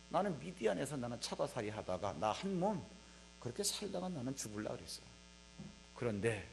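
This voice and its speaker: A man's voice: a little high, vocal fry, slight background noise. A man voicing an aged prophet who rants indignantly at rebellious people during a sermon. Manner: indignant, aggrieved ranting. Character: exasperated aged male prophet scolding rebels.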